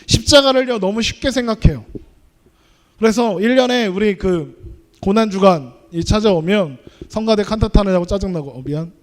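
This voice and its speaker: A man's voice: sits high, normal speed. A young adult man preaching a youth sermon in a conversational way, often putting questions to his listeners. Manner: conversational, asks the audience questions.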